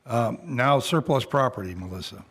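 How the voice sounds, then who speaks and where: Man, American accent, medium pitch, county judge, formal procedural meeting chairing. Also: animated, normal speed, fairly bright tone, slightly rough. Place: local government meeting room.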